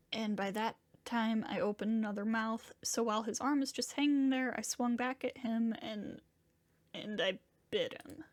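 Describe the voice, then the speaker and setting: Distraught young male monster in audio fiction, played by a woman; fairly high voice, halting, profane confession. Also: darkish tone, natural voice. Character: distraught young monstrous man Diego confessing a violent fight. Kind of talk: first-person dramatic fiction narration.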